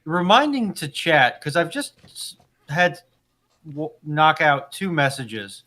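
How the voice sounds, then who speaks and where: A man's voice: on the high side, sing-song, slow, bright, forceful tone. A man moderating a casual live discussion, speaking hesitantly and often restarting his sentences. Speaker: live stream moderator and panelist.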